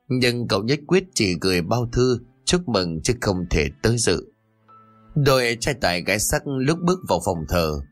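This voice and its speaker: Low-voiced man narrating a ghost story. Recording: faint music under the voice. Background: soft background music.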